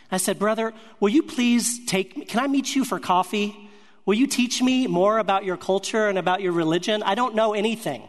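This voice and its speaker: A man's voice: sits high, in a large hall. A man telling a personal faith story as a sermon, earnest and speaking in short broken-up phrases. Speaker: speaker sharing a ministry testimony.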